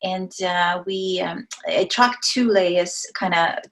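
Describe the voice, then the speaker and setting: A woman's voice: lowish voice, slow. A woman in her forties from Kazakhstan, whose first language is Russian, talking as a podcast guest in a hesitant way with many ums and restarts. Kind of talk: casual interview talk.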